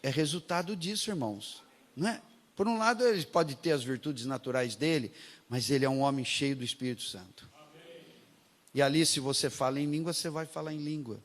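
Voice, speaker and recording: A man with a husky, slightly high voice preaching a sermon. He tells stories and acts out the people in them. He often sinks to a soft, quiet tone, then lifts again. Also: fairly quick, in a large hall. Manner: storytelling, acts out quoted voices, often drops to a soft low voice.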